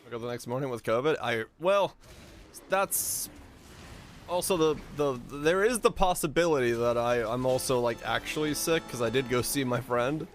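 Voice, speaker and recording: Hoarse man chatting while streaming. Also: medium pitch, soft background music. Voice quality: raspy. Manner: rambling, halting, swears casually. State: hoarse, voice fading. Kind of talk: casual gaming stream commentary.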